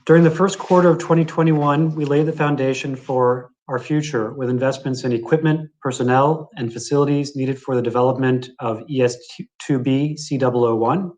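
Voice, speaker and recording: A man with a foreign accent, speaking at a mid pitch, reads through financial results in an orderly, steady way. He sounds prepared and clear as he works through the numbers. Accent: non-native English, foreign to Denmark. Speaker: chief financial officer.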